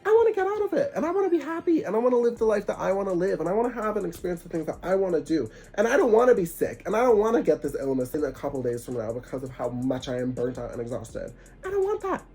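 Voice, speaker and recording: A congested young man giving animated, preachy spiritual advice in a casual vlog, with sarcastic asides. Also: high-pitched, quick pace, hardly any pauses, slightly rough, soft background music. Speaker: vlogger.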